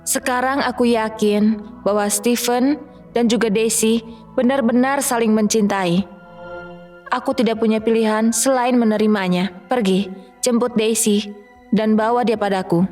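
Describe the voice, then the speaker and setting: A woman's voice: fairly high pitch, fairly even intonation, unhurried, darkish tone, faint music behind, natural voice. A woman playing a stern, regal Fairy Queen who speaks with command in a children's cartoon fairy tale. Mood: solemn, relenting.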